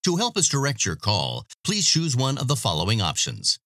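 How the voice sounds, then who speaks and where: A man voicing scripted phone greetings and menu prompts in a polite, measured way. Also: mid-range voice, huge pitch swings, sharp tone, dry recording, studio quality. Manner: polite, measured, evenly paced delivery. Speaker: phone system voice-over announcer.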